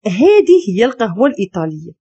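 A woman's voice: mid-range voice, sing-song, quick pace, warm tone, breathy edge, highs cut off. A woman with a Moroccan Arabic accent voicing a harsh, domineering rich man who scolds and gives orders. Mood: cold. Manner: cold, scolding and commanding. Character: harsh, domineering wealthy man, master of a palace.

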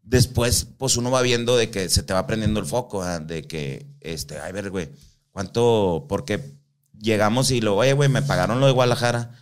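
A man's voice: on the low side, moderate pace, clear, resonant tone. A man from Mexico, telling stories in casual, slangy speech full of swearing and acted-out quotes. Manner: slangy, swears a lot, acts out quoted voices. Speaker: guest. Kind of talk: casual storytelling.

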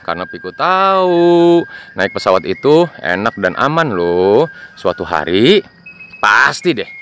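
A man voicing a friendly toy pickup truck who talks gently to the children in a toy story. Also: medium pitch, a little hiss or hum, exaggerated voice. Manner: warm, coaxing, speaks to the children.

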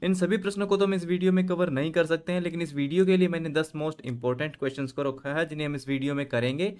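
Man, fairly high voice, voice-over tutor, reads questions then explains answers. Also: steady tone, fast talker, darkish tone, clear, resonant tone. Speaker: channel host and tutor. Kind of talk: screen-share quiz lesson. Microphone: voice-over on screen recording.

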